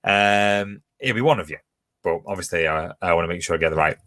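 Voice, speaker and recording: Reading questions, answer options and team scores aloud, this quiz host runs a pub quiz from his home in a relaxed, chatty way. His voice is low and a bit bright, and he speaks a little fast.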